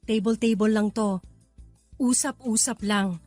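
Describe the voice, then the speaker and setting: An actress playing a proud, emotional young bar hostess in a radio drama. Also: female voice, mid-range voice, fairly even intonation, unhurried, a little mellow, no echo, soft background music, close to an everyday voice. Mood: firm warning. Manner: emotional, defensive, firm. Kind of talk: Tagalog radio drama acting.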